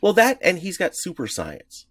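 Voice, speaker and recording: A man's voice: high voice, huge pitch swings, normal speed, fairly bright tone, breathy edge, no echo. A man co-hosting a podcast who chats casually, laughs often and chimes in with short agreements. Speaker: podcast co-host. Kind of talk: casual chat about comic history.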